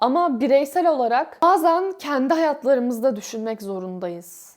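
Very wide pitch swings mark this woman's high-pitched voice. The recording is very clean, with a silent background. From Turkey. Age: 20s. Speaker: vlogger. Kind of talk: personal vlog monologue.

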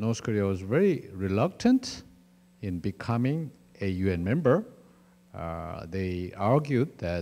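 A man speaks at a fairly slow pace and fairly low pitch in a dark, mellow tone. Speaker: guest lecturer. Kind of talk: lecture. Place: hall. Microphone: handheld.

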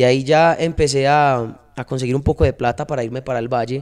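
A man's medium-pitched voice, dark and mellow in tone, with monotone, flat intonation over a quiet background. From Antioquia, Colombia. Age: 20s. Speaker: regional Colombian singer-songwriter; guest. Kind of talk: podcast interview. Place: studio. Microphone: handheld.

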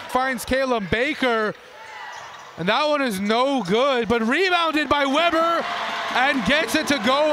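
Against noticeable background noise, a man projects a raised voice at an extremely high pitch, speaking fairly slowly with ordinary pitch variation. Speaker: basketball play-by-play commentator. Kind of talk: live sports commentary.

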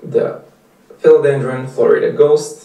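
Audible room echo follows a man as he speaks. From Bulgaria. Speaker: plant hobbyist; plant youtuber. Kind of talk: video walkthrough. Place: home room.

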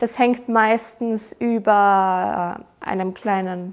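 In a quiet background, a woman speaks at a fairly high pitch with ordinary pitch variation. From Austria, Graz; Austria. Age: young (19). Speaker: former au pair. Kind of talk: testimonial. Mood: warm, cheerful. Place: office. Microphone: lapel.

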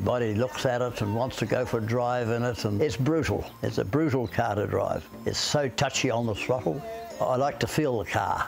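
A man with a New Zealand accent speaks at a moderate pace and medium pitch, his pitch varying in an ordinary way and his loudness very even, with clear music in the background. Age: 90s. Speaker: classic car owner. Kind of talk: interview. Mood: relaxed, fond storytelling. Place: garage.

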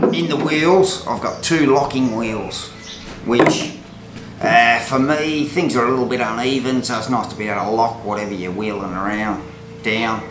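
Background noise is noticeable. The pace is moderate. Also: man. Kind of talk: tutorial. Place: garden.

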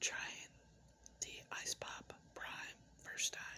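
Someone whispers in a soft-spoken way over light background noise. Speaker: vlogger. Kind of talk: casual vlog chat. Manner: soft ASMR whisper. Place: home room. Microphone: phone near.

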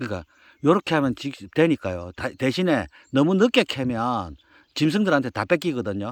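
An animated man with a medium pitch, vocal fry and very wide pitch swings speaks at a moderate pace with long, frequent pauses. The sound is dry and close with no echo, on a very clean recording with a silent background. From South Korea, a city. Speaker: organic farmer. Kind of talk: tutorial. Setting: outdoors.

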